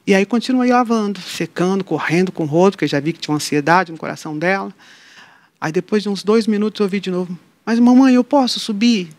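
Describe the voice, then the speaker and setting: Woman, middle-aged, interview guest, lively storytelling, acts out dialogue, dry close sound. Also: lowish voice, quick pace, dry recording. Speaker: interview guest, mother of an atypical child. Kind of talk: personal faith testimony in conversation.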